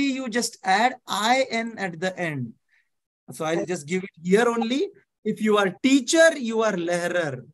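Indian man teaching German online. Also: high voice. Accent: Indian English. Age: 30s. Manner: explains step by step, checks understanding often, mixes Hindi. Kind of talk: live online language class. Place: indoor room, video call.

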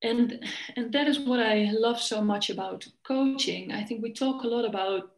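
Speaking over a laptop video call, this coach and festival speaker from the Netherlands, a woman in her forties, delivers a sincere conference talk full of restarts. Her pitch is fairly high, her pace moderate, and the room echoes. She sounds earnest and searching.

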